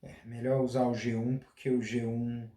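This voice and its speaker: A man's voice: mid-range voice, flat delivery, normal speed, dark tone, reverberant. A Brazilian man hosting a casual solo talk, rambling with restarts, a slight cough. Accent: Brazilian Portuguese. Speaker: podcast host.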